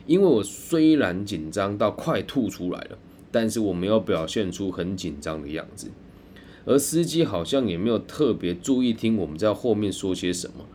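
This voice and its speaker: A man's voice: fairly low pitch, darkish tone, slight background noise. A man with a Taiwanese accent telling a first-person story in an earnest, tense way, stretching out sentence particles. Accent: Taiwanese Mandarin.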